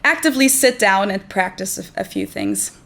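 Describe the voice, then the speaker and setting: A woman's voice: mid-range voice, moderate pace, gravelly. Chatty German woman in her twenties. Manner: relaxed, chatty, lots of "like" fillers and light laughs. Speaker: interview guest. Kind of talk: casual chat.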